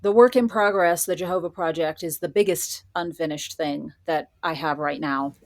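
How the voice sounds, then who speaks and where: Low-pitched woman in a dry, close recording. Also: moderate pace, a little mellow, dry recording. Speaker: guest, horror fiction writer. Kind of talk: casual conversational interview.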